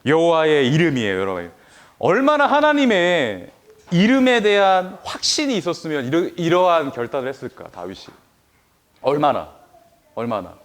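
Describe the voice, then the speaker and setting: An animated male pastor preaching a children's sermon, speaking straight to his listeners with question after question. His voice sits fairly high and swings widely in pitch, often dropping to a soft hush at the end of a phrase. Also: moderate pace. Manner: animated, many rhetorical questions, addresses listeners directly; trails off softly at phrase ends.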